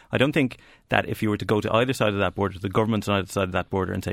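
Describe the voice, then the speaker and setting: This man, speaking with an Irish accent, has a fairly low pitch. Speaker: business journalist. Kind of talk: radio panel discussion. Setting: studio. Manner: halting.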